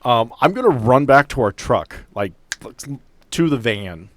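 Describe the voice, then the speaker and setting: A man's voice: mid-range voice, very animated, unhurried, no room sound. A man playing a tabletop game, bantering casually and swearing freely. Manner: sweary, joking. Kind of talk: casual banter among players. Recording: faint music behind. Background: faint background music.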